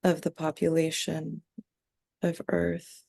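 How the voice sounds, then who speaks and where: A woman speaking as a trance medium for a calm collective of extraterrestrial beings, in halting, solemn, formal phrases. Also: low-pitched, gravelly, full character voice. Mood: solemn, detached. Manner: halting short solemn phrases with long breaks, formal wording. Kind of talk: trance channeling, seance medium.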